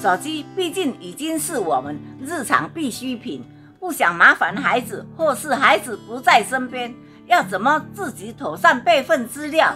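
Over music in the background, a woman with a high pitch projects a raised voice at a fairly slow pace, her pitch swinging very widely and her loudness rising and falling sharply. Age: 70s. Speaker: grandmother tech vlogger. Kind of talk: sponsored product review talk to camera.

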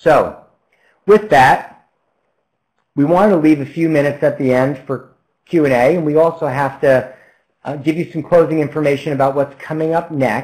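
A man with an American accent talks at a moderate pace, his pitch fairly high. Long, frequent pauses break up his speech over a quiet background. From US Northeast (New Jersey). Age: 50s. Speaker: customer experience consultant; webinar presenter. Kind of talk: webinar presentation. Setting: webcast. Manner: animated. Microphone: webcam.

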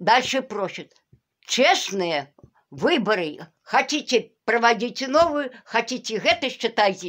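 A woman talks at a very slow pace. Her pitch swings very widely. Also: quiet background. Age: 80s+. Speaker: pensioner. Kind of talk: public appeal to the authorities. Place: home room. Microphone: phone near.

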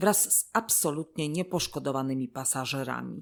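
The recording is very clean with a silent background as a woman talks at a moderate pace in an ordinary speaking voice. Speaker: audiobook narrator. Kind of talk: audiobook narration of a novel, read aloud in a literary style. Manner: measured, expressive storytelling that slips into character voices for dialogue.

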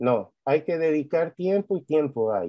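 A man speaks at a fairly slow pace with ordinary pitch variation, the sound dry with no echo and the background quiet. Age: 40s. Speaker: university student. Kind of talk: testimony. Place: home room. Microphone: video call.

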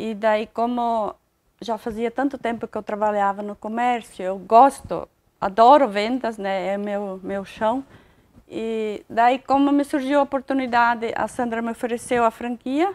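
The speaker moves at a fairly slow pace, using ordinary pitch variation. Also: woman. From western Santa Catarina, Brazil. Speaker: shop owner. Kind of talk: interview. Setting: in a store. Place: shop. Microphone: lapel.

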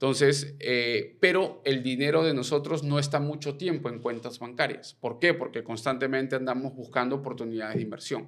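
With fairly even intonation and hardly any pauses, the delivery keeps a moderate pace. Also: man. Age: 40s. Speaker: financial mentor and network marketer; podcast guest. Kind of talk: interview conversation. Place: studio. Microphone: studio mic.

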